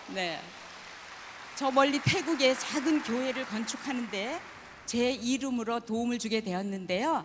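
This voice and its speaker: A woman's high voice at a fairly slow pace, with long, frequent pauses, ordinary pitch variation and noticeable background noise. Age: 70s. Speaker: network marketing distributor. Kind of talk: promotion ceremony speech. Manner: formal.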